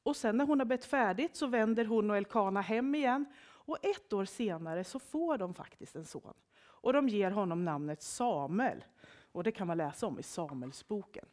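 Lively woman preacher telling a story. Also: medium pitch. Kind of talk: storytelling sermon for all ages. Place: church.

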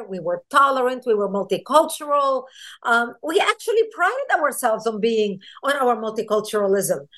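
A woman's voice: a little high, fairly bright tone. A woman from Lebanon, a radio interview guest telling her story with passion and emphasis.

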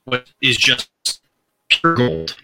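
A man co-hosting a casual film discussion, talking haltingly with many restarts as he builds his point. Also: medium pitch, very animated, over music. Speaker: podcast co-host. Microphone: remote call setup.

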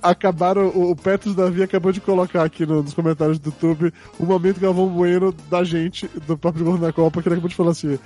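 A hoarse man from Brazil hosting a podcast in a casual, joking chat and laughing at himself. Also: high voice, flat delivery, quick pace, few pauses, warm tone, soft background music. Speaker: podcast host.

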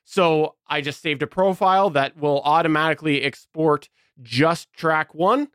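Man, podcast co-host, smooth clear voice, slightly high, dry close mic. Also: unhurried, no echo. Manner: relaxed, laughs often. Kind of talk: casual tech chat.

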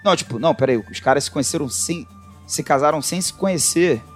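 A Brazilian man with a fairly high voice talks casually as a podcast co-host. He rambles thoughtfully in slangy, halting bursts, and faint music plays behind him. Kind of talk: casual, reflective podcast chat.

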